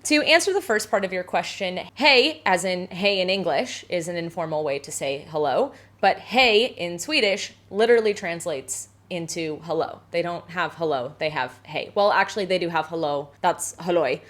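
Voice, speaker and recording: A woman's voice: on the low side, animated, moderate pace, few pauses, a bit bright. A woman in her thirties from Southern California with a Southern Californian accent, answering viewer questions in a casual, self-deprecating vlog full of "like". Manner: chatty, self-deprecating, filler-heavy with frequent "like". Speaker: home baker and vlogger.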